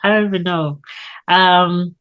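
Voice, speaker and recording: A Canadian woman around thirty speaks as a guest in a casual chat. Her voice is a little lower than average for a woman. She talks informally, often interrupting herself and circling back. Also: steady tone, unhurried, a bit bright, lo-fi sound. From Toronto, Canada.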